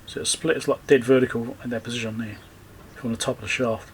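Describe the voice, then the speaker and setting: A man's voice: mid-range voice, steady tone, quick pace. A man giving casual, hands-on repair commentary, thinking aloud and muttering to himself as he works. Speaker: electronics repairer presenting own repair video. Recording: clear background noise behind the voice.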